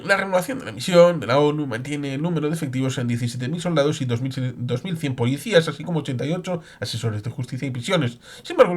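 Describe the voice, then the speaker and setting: Higher-pitched man reading news, halting delivery. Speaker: news commentator. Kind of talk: reading news reports aloud with commentary.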